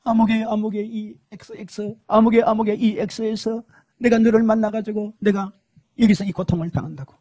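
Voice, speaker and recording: A man's voice: high voice, steady tone, normal speed, warm tone. A man voicing a damned woman in hell who screams, sobs and begs in repeated cries. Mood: cursing regret. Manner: screaming, sobbing repeated pleas.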